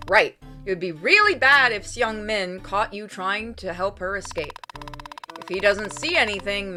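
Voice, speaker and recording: A woman reading game text aloud and reacting casually, with a playful, expressive manner. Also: medium pitch. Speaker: game streamer.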